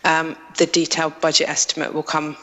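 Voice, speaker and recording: A council officer calmly explaining a budget point to a committee in a measured way. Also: medium pitch. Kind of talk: answering committee questions. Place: council chamber. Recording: reverberant chamber webcast.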